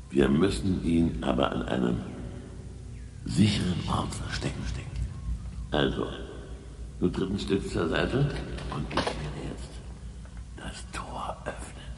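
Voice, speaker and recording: An actor playing a grave, secretive explorer in an audio drama, with solemn, ominous, drawn-out delivery. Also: male voice, sing-song, heavily acted. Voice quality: very deep, creaky. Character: grave, secretive male explorer guarding a discovery. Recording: echoey cavernous reverb, faint noise.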